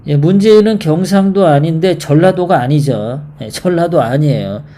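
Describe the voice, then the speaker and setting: A host giving live political commentary, rambling and halting, often putting rhetorical questions to the viewers. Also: medium pitch, warm tone. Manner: halting, many fillers and repeats.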